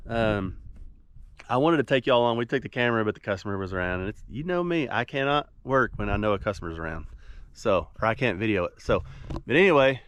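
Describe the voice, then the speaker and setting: A man's voice: on the low side, expressive, quick pace, fairly bright tone. A man, stuffy and nasal from a cold, chatting casually and rambling in a folksy way as he works on a windmill outdoors. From Oklahoma. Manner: rambling, folksy, self-deprecating. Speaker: windmill repairman. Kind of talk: casual vlog narration. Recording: noisy outdoor recording.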